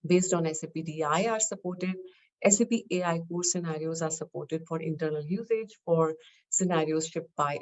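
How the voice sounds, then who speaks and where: A woman with a fairly low voice delivers a scripted technical presentation. She explains step by step in short, measured phrases, as a presenter walking through a product. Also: a little mellow, low-quality recording.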